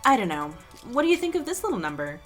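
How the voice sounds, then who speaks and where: Breezy teasing young friend, rather high voice, very lively intonation, casual, audio drama. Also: female voice, quick pace, faint music behind. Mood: coaxing.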